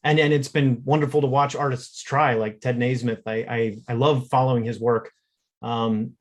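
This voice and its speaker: A man's voice: mid-range voice, level tone, normal speed. A man artist talking about his work on a panel, hesitant with many fillers. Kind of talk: casual panel talk.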